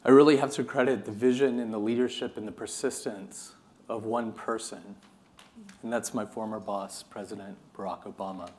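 A man's voice: on the low side, moderate pace. A man in his thirties from California with an American accent, giving an earnest, passionate conference keynote to a seated audience. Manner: earnest, animated, passionate delivery. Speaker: keynote speaker. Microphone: podium microphone, moving around the stage.

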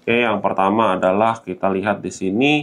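A man with a fairly low voice presents a product unboxing. He explains in a casual, conversational way, speaking to viewers like friends. English terms are mixed into his talk. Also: steady tone, fairly quick, slight background noise. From Indonesia. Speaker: gadget reviewer and vlog host.

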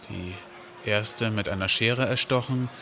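A man plays a weary, stressed character in a radio play. His voice is fairly low and matter-of-fact, with clear ambient noise around him. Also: a little slow. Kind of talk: German audio drama acting.

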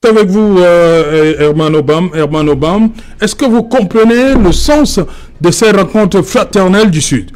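A man's voice: sits high, unhurried, darkish tone. Young man hosting a TV debate. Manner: probing questions with restarts. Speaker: TV debate host. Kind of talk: studio talk show moderation. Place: TV studio.

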